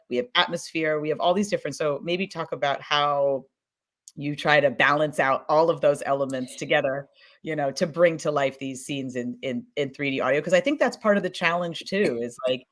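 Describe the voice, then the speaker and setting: A woman's voice: sits low, brisk. A woman moderating a panel in casual conversation, asking loose, rambling questions peppered with filler words. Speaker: panel moderator, podcast producer.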